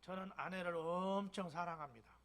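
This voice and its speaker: An older man in his sixties with a Jeolla dialect, preaching a sermon as a pastor in church, with emphatic bursts and soft whispered drops. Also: sits high, moderate pace. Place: church sanctuary.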